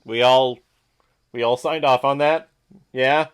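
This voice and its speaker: A man's voice: medium pitch, fairly even intonation, slow, clear, resonant tone. Sarcastic man riffing on a movie. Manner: sarcastic, jokey, talks back to the screen. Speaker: reaction video host. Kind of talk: casual movie watch-along commentary.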